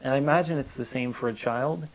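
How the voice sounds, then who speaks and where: Earnest young Canadian man, steady interview answers. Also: mid-range voice, fast, rough recording. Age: 20s. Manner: earnest, steady, with frequent fillers. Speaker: interview guest.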